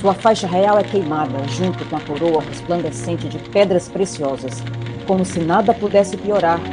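A woman's voice: on the low side, normal speed, over music, close to an everyday voice, poor audio. A woman with a Brazilian accent reading scripted narration for an epic audio drama.

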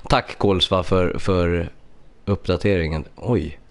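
A man's voice: sits low, fairly even intonation. A man live-streaming a puzzle game with casual commentary, thinking aloud and chatting with viewers, slightly congested from a cold, on a USB studio microphone.

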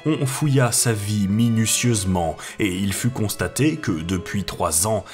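A man narrating a classic novel as an audiobook reader in a calm, steady way. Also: fairly low pitch, unhurried, faint music behind. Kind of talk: scripted narration.

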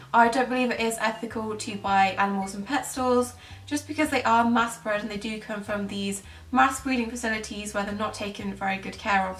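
A woman's voice: on the high side, a bit bright. A young woman in her twenties with a British accent, giving casual commentary to camera as a pet-care vlogger. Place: small bedroom indoors. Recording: roomy echo, distant microphone, faint music.

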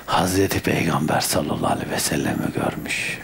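Sufi sheikh guy giving a religious talk, calm storytelling, goes quiet and murmury a lot, bit of faint noise behind. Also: a bass voice, fast talker, gravelly.

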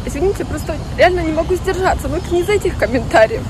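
A woman's voice: very high voice, animated, rapid-fire, crowd noise. A woman in her thirties, a fashion vlogger, talking earnestly and emotionally to camera outdoors, upset after crying. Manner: earnest, emotional, defensive, speaks straight to viewers. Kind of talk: casual vlog monologue to camera. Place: outdoor city park square. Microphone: phone held at arm's length. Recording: phone audio with street traffic noise.

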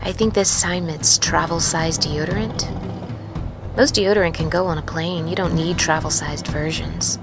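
A woman playing a wary, haunted truck driver in an intimate, confiding, halting audio-drama monologue. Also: low voice, steady tone, natural voice. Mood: wry, confiding. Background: music.

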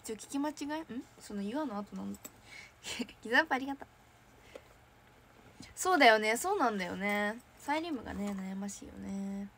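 A woman's voice: mid-range voice, expressive, fairly quick, long pauses, a bit bright, a little hiss or hum. A young woman hosting a casual fan livestream, chatting in a bubbly way, giggling often and reading viewer comments aloud.

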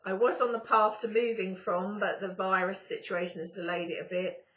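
A middle-aged woman with a croaky morning voice, talking to her webcam from a sofa at home in a slow spiritual monologue with drawn-out pauses. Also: mid-range voice, flat delivery, fairly bright tone. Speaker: spiritual channeler and YouTuber. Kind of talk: casual spiritual monologue to camera. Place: indoors, sitting on a sofa at home. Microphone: webcam at close range. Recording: slightly dull webcam audio.

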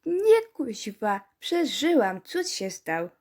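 A woman voicing a sarcastic young woman who mocks her own clumsiness in slow, drawn-out words. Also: on the high side, very animated, darkish tone, full character voice. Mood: mocking. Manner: sarcastic, drawn-out mocking delivery.

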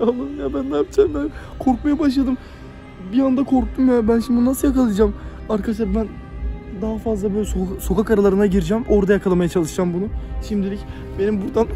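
A young man hosting a night-time horror vlog outdoors, excitable and panicky, often shouting and speaking straight to his viewers. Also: high voice. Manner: keeps addressing viewers as friends. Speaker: YouTuber host.

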